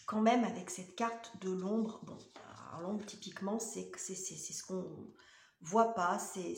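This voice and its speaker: A woman doing a casual tarot reading, talking in a hesitant way with many fillers and restarts. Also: mid-range voice. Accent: French. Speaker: tarot reader. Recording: roomy echo.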